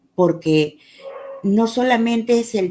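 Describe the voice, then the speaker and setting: This is a woman talking. Her pace is very slow. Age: 60s. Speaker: sex workers' rights advocate. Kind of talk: presentation. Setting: virtual workshop.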